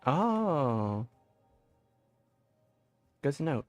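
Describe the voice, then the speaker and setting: A man's voice: a little high, sing-song, very slow, no echo. A man streaming a game, chatting casually and thinking aloud in a loose, rambling way. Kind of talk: casual livestream gameplay chat. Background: faint game music.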